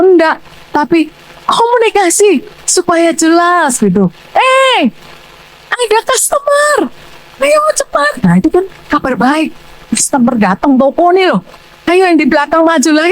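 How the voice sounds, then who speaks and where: An older woman with a Surabaya Indonesian accent preaching a sermon in church, telling stories loudly and emphatically. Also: high voice, poor audio. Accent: Surabaya Javanese Indonesian. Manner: animated storytelling, loud and emphatic, acting out dialogue.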